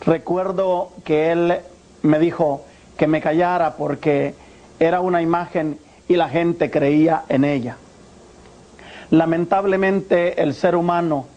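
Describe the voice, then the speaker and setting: Speaking with a Guatemalan Spanish accent, this earnest former priest in his 40s shares a religious testimony. His voice is mellow and a little high, and he paces himself in a measured, preacher-like address.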